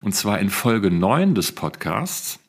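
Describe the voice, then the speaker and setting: A man's voice: on the low side, very animated, slow pace, breathy edge. A man co-hosting a casual podcast, telling stories in a playful way and posing rhetorical questions to his co-hosts. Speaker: podcast co-host.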